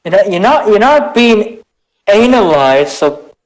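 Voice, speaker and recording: A woman with a mid-pitched voice that swings up and down a lot. She talks slowly and haltingly in casual podcast banter, repeating words. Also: sing-song, a little mellow, poor audio. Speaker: podcast co-host and reader.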